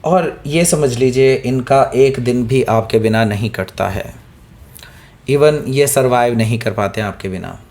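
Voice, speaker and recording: A man with a hoarse throat giving a weekly tarot reading, talking straight to the viewer, often checking in with "okay?" and mixing in English words. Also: medium pitch, measured pace, a little mellow. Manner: keeps asking "okay?" to the listener, mixes in English words. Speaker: tarot reader.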